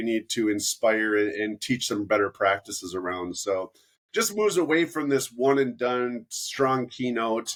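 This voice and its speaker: In a normal speaking voice, a man with an American accent speaks at a moderate pace and medium pitch. The recording is very clean, with a silent background. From Minnesota, US Midwest. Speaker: educator and public speaker. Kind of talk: podcast interview.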